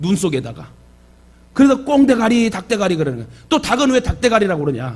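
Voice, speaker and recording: A man with a strong Jeolla accent talks at a very fast pace. His high voice swings very widely in pitch. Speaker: pastor. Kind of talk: sermon. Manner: animated.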